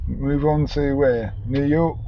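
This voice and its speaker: A man's voice: medium pitch, steady tone, slow, dull audio, a little hiss or hum. A man hosting a podcast from his taxi, chatting with his riders and asking short follow-up questions. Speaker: taxi driver and podcast host. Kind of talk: casual interview chat. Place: inside a car.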